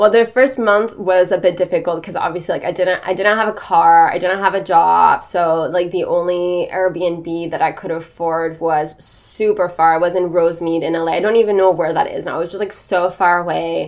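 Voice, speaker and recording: Through noticeable background noise, a woman's fairly even intonation comes across at a moderate pace. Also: fairly low pitch for a woman, hardly any pauses. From United States. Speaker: podcast guest. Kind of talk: casual interview. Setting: in person, Los Angeles.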